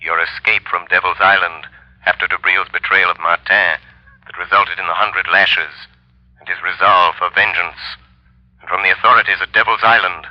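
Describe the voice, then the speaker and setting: An actor voicing the Shadow, a calm, all-knowing male detective, in a 1930s radio drama with a measured, authoritative manner. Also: sits low, natural voice. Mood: calm, assured. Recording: muffled old radio recording.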